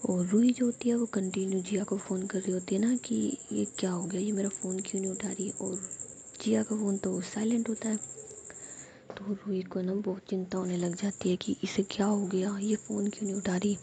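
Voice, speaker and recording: Soft-voiced gravelly woman storyteller. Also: medium pitch, little pitch movement, normal speed, slight background noise. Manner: soft, half-whispered narration with filler tags. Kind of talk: casual spoken story narration.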